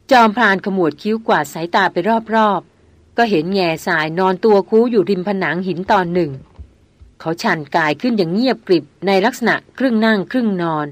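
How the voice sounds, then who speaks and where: A woman reading a novel aloud as a narrator, in a measured, steady storytelling manner. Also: medium pitch, no echo. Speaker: audiobook narrator. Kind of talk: scripted narration.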